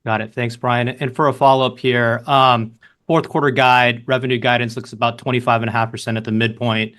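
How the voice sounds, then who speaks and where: A man's voice: medium pitch, flat delivery, fairly quick, fairly bright tone. A man asking questions as a financial analyst on a conference call, informal and courteous.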